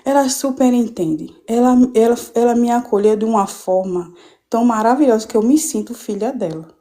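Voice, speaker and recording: Fervent woman with a mellow voice. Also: a little high, moderate pace. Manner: fervent, rambling, with many restarts. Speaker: guest giving a church testimony. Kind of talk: emotional personal testimony on a live stream. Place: at home.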